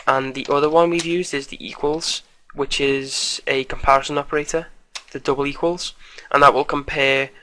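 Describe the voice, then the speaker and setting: Young man with a croaky cold voice. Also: on the high side, bright, forceful tone. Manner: casual, chatty, with fillers and asides. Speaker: programming tutor. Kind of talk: screen-recorded coding tutorial. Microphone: desk mic.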